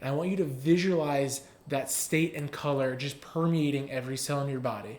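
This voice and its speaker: A man speaks with a fairly high pitch and ordinary pitch variation. It is a normal speaking voice. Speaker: wellness coach. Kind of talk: guided breathing exercise. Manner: calm.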